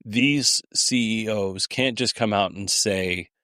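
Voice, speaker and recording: A man's voice: on the low side, slow, sharp tone, dry recording, clean studio sound. A man hosting a podcast solo, giving informal, rambling commentary with an occasional chuckle in his delivery. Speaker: podcast host. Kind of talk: casual solo commentary on audio clips.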